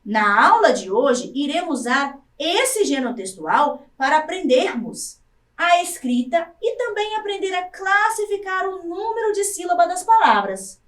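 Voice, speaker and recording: A Brazilian Portuguese-speaking woman teaching a recorded lesson for adult learners, slowly sounding out syllables one by one. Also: very high voice, big pitch swings, a bit bright, distant mic. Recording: echoey room, voice off-mic.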